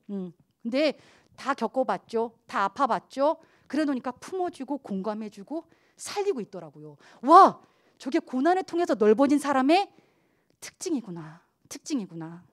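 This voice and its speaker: Lively high-voiced woman preaching. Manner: animated, acts out quoted voices of children and church members. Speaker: pastor. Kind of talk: youth sermon.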